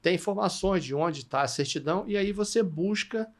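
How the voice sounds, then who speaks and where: A man's voice: sits high, normal speed. A middle-aged Brazilian man, a citizenship consultant, patiently explaining things in a podcast interview and checking that he is understood. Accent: Brazilian Portuguese. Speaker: Italian citizenship consultant, guest.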